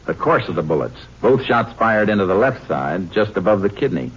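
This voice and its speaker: An actor playing a steady, shrewd Texas Ranger investigator in a matter-of-fact, authoritative 1950s radio western style. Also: male voice, fairly low pitch, brisk, breathy edge, heavily acted. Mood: analytical. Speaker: lead actor and narrator. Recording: noisy, clicking, muffled 1950s radio recording.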